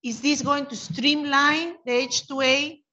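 Spanish-accented woman, rather high voice, dull audio. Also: steady tone, a little slow, pushed and bright. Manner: earnest, thinking aloud with many rhetorical questions. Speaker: panelist. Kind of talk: panel discussion remarks. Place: conference room with panel table. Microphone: table mic on stand.

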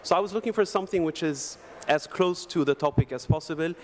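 A man's voice: a little high, fast, slight background noise. A man in his forties from Denmark speaking on a conference panel, telling his career story in a reflective, gesturing way into a desk microphone on a hall stage. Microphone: desk microphone on a stand.

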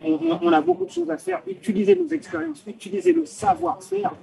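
A man's voice: very high-pitched, fairly even intonation, a little fast, vocal fry, dark tone. A man from France who grew up there, earnestly laying out his plans in long lists during an interview in a small padded booth. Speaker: guest entrepreneur. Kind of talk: interview answers. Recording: distant mic.

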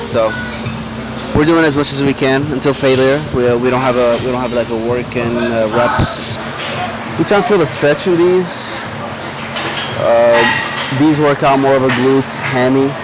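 A young man giving casual, halting vlog commentary while lifting weights in a noisy gym. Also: medium pitch, loud music behind the voice. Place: indoor warehouse-style gym. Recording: clear gym noise, mic'd up.

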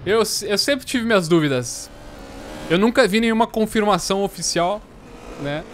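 Streamer, male, 30s: headset mic, casual slangy play-by-play, slightly high voice, faint background hiss. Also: normal speed. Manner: relaxed and slangy, with bursts of excited chatter. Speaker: gaming streamer. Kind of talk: casual gameplay commentary.

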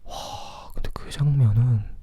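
A person whispering softly and closely in a chatty ASMR style, like a reviewer sharing thoughts. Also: mid-range voice, slow pace, dull audio. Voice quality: breathy, husky whisper. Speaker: film review vlogger.

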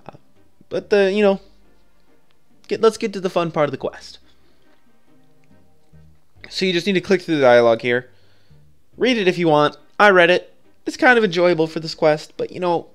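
Male guide narrator, clean smooth voice, casual step-by-step delivery, music underneath. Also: on the high side. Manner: informal, offhand, conversational. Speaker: video game guide creator.

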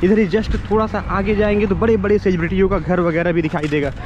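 Chatty male vlogger outdoors in loud noise. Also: high voice, fairly even intonation, quick pace, highs cut off. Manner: chatty, addresses viewers as friends. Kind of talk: walking vlog narration. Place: outdoors by a slum and dusty open ground. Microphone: action camera held at arm's length.

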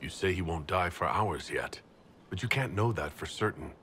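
A deep-voiced male leader in a fantasy video game. He is composed, diplomatic and reassuring, with measured delivery over clear ambient noise. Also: animated, pushed and bright, full character voice. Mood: gently reasoning.

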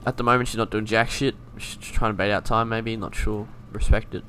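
A man's voice: fairly low pitch, steady tone, fairly quick, bright, forceful tone, slight background noise. A young man giving casual gameplay commentary as a video creator, laid-back, thinking aloud and swearing now and then. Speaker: gaming YouTuber.

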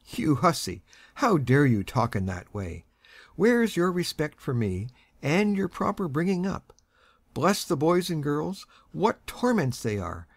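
Brief: woman reader doing a blustery old grandfather, sharp and commanding, lively swooping voice, dry sound. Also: sits low, measured pace, slightly rough, dry recording, heavily acted. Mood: blustering, gruff. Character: irascible old gentleman, gruff and stern grandfather.

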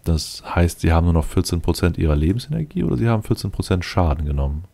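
A man with a very low, gravelly voice talks his way through a game. His tone is dark and mellow, and he mutters casually to himself, thinking aloud and addressing his units directly. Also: big pitch swings, fast. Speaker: let's player commenting on his game.

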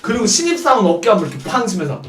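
A man in his thirties spins a crude comic story, acting out each scene. His voice sits fairly high for a man. It rings in an echoey room with faint noise. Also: big pitch swings, rapid-fire, a bit bright. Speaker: comedian.

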